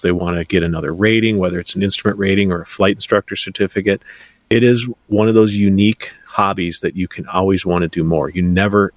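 Deep-voiced middle-aged man, wry and matter-of-fact, dry close mic. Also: no room sound. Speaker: podcast co-host. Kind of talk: casual chat.

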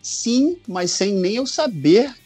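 A Brazilian man in his forties chatting casually as a guest, telling personal stories in an animated, jokey, colloquial way. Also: high-pitched, slow, breathy edge, soft background music. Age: 40s. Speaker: podcast guest.

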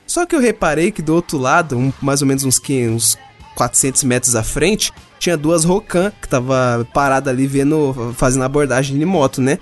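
This young adult Brazilian man speaks at a moderate pace in a medium-pitched voice, telling an animated, slang-filled, swearing anecdote and acting out its characters. Soft background music accompanies him.

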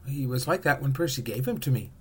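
A man's voice: medium pitch, expressive, fast, a little mellow, a little hiss or hum, lightly acted. A man voicing a defensive teenage boy wizard, reading his lines plainly with a mumbled edge as part of a storybook passage. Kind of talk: audiobook-style reading.

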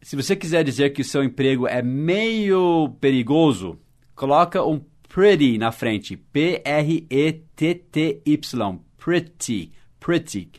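A man with a Brazilian Portuguese accent gives a patient mini-podcast English lesson, spelling words out slowly letter by letter. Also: on the high side, animated, darkish tone. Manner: patient explanatory teaching. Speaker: English teacher.

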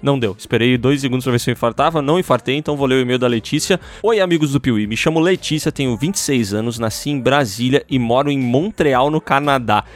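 A man's voice: medium pitch, fast, hardly any pauses. A man with a Brazilian accent chatting casually as a podcast co-host, reading listener emails in a joking, slangy, mock-dramatic way.

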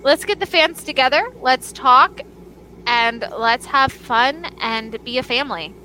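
A woman with a Southern accent, co-hosting a casual podcast chat and talking with gushing excitement. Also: high voice, a little slow, slight background noise, low-quality recording. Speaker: podcast co-host.

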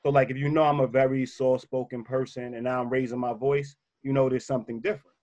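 A man with a slightly bassy voice talks through relationship advice in a loose, conversational way. He leans on his points and comes back to them again and again. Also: level tone, fast, darkish tone, dull audio. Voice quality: a little bassy voice. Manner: emphatic, repeats key points. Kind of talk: casual advice talk.

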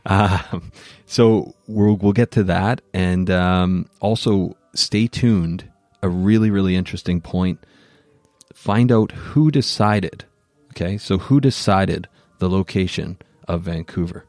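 A man co-hosting a podcast, introducing a guest in a casual, halting way. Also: sits low, darkish tone, dry recording. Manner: hesitant, with many ums and restarts. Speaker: podcast co-host.

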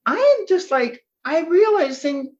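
A woman in her seventies, a nutrition expert speaking as a guest in a podcast conversation, talking with animated, emphatic enthusiasm. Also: very high voice, a little slow, highs cut off. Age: 70s.

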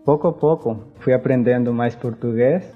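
A man's voice: mid-range voice, normal speed, phone-quality sound, soft background music. A man from Peru with a Spanish accent, a guest talking hesitantly about his life abroad, often adding a questioning tag. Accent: Peruvian Spanish. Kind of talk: casual interview talk.

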